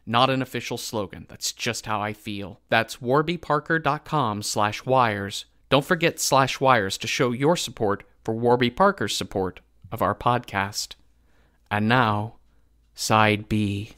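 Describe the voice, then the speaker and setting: A man's voice: medium pitch, unhurried, sharp tone, clear, resonant tone. A man reading a podcast sponsor message in a conversational, personal style with a casual, wry manner.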